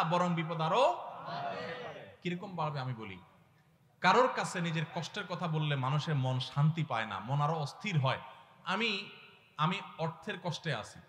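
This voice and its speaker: A man delivers an impassioned sermon into a public address microphone, his voice fairly high and bright with a forceful edge. He keeps asking the crowd rhetorical questions and swings from soft pleading to loud exhortation. The sound is roomy, with a long reverb trailing each phrase. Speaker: preacher. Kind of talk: Islamic sermon to a gathering. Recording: echoey long reverb through loudspeakers.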